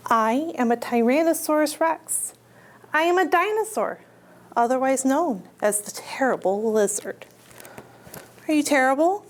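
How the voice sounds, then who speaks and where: Her voice is high, expressive, and a bit slow. As a librarian hosting storytime, she reads picture books to children in simple terms and poses questions to the little ones listening.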